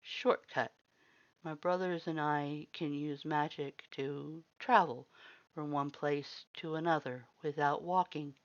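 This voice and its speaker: A narrator voicing a laconic, creepy little male skeleton monster in an audiobook, terse, flat and unhurried. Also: mid-range voice, dry recording, highs cut off. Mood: flat, unbothered.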